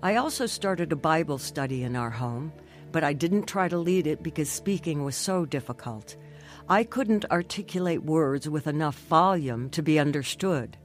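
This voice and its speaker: An actress playing an earnest, emotional middle-aged Christian wife in a radio drama. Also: female voice, deep voice, expressive, normal speed, soft background music. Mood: earnest, reflective. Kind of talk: radio drama narration and dialogue.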